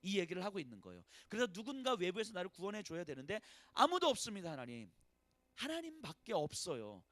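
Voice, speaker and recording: Man preaching a sermon, impassioned, pitch leaping high and low, slightly high voice, dry close sound. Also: wildly swooping pitch, fast talker, no echo. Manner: impassioned, swings between loud pleading and hushed lament; voices prayers of complaint in first person. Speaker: pastor. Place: church service.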